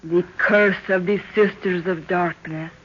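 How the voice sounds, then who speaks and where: A woman's voice: lowish voice, fairly even intonation, unhurried, natural voice. An actress playing a commanding tribal witch woman in a 1930s radio serial, speaking in formal, incantatory phrases. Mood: hypnotic, commanding. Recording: muffled, noisy 1930s radio recording.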